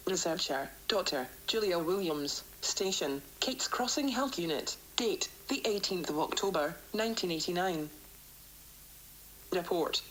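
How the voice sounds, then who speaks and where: A woman playing a worried, defiant doctor dictating formal, measured research logs for an analog horror tape series, recorded on vintage cassette. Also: fairly low pitch, a bit bright, a little hiss or hum, poor audio. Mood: frustrated, resolute. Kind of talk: analog horror tape log, scripted report.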